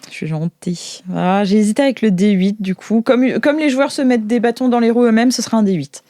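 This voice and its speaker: As game master of an improvised tabletop role-play, a woman talks informally and hesitantly, adding playful little sound effects. Her voice is a little high, warm and brisk.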